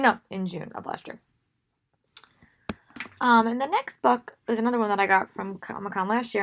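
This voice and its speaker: A young woman who has lost her voice, sounding hoarse and strained, chatting casually and rambling with many pauses about books she wants to read. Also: mid-range voice, a bit bright. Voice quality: gravelly, strained. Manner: rambling with frequent ums. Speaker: book vlogger. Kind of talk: casual book haul talk.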